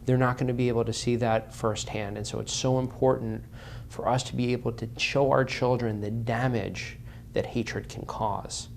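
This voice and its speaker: A man's voice: mid-range voice, steady tone, moderate pace, creaky, a little hiss or hum. A man speaking as an interview guest, earnest and impassioned, repeating phrases for emphasis.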